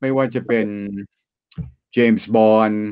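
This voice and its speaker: A man talks with ordinary pitch variation, the background quiet. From Thailand. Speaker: commercial voice-over announcer, TikTok creator. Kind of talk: casual interview answer. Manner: relaxed, conversational. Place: home room. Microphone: video call.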